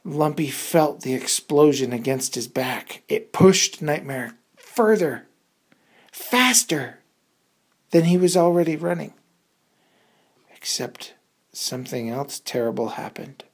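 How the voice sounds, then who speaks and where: A woman's voice: sits low, takes it slowly, long pauses, husky. A woman telling a suspenseful bedtime story for children in a dramatic, improvised way, repeating words for effect.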